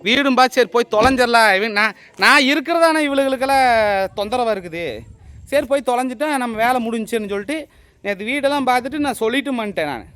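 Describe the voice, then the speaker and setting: A man, a husband, arguing heatedly with his wife, defensive and swearing, at times shouting. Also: extremely high pitch, quick pace. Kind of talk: heated domestic argument.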